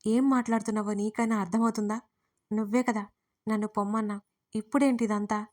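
A woman narrator voicing a hurt young woman who shouts angrily through tears in an audio story. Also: medium pitch, level tone, quick pace, natural voice. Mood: bitter.

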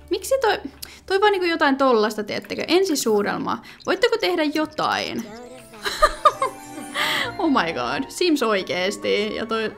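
A woman talks her way through a video game in a casual, rambling commentary. Her voice sits on the high side and swings widely in pitch. She fills gaps with hesitations and breaks off into sudden exclamations. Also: creaky, a bit bright. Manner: chatty, thinking aloud with many fillers and sudden exclamations. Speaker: gaming video creator.

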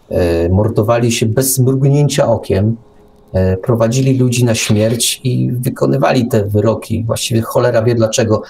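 A man's voice: on the low side, gravelly, warm tone, slight background noise. A man co-hosting a talk show, giving an opinionated, sarcastic monologue with emphatic rhetorical questions and repeated words. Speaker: radio show co-host and commentator.

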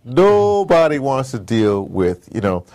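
Male interviewee, gravelly edge, conversational but emphatic, digressive, repeats himself for weight. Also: medium pitch, sing-song, takes it slowly, a little mellow. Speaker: interviewee, audio drama producer.

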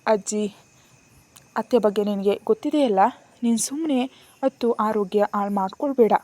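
A woman's voice: medium pitch, moderate pace, dry recording, lightly acted. A woman voicing a young man who speaks firmly and protectively in a storybook reading. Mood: comforting. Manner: stern, forceful.

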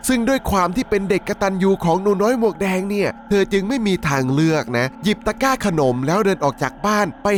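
Male narrator, high voice, swooping intonation, conversational horror storytelling, backing music. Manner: conversational, addresses listeners with frequent polite particles. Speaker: storyteller, channel host.

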